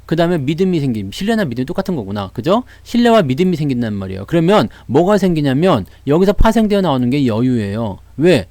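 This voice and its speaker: A man's voice: a little high, sing-song, fast, few pauses, warm tone, dry recording. A man who speaks with a Jeolla dialect, hosting a casual stock market livestream, greeting viewers and laughing often. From Seoul, South Korea.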